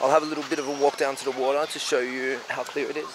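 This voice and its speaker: A man's voice: medium pitch, very fast. A man in his thirties chatting casually as he films a walking tour on a coastal path and beach, holding the camera at arm's length. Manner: relaxed, chatty, candid. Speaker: travel vlogger. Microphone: camera held at arm's length. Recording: outdoor noise behind voice.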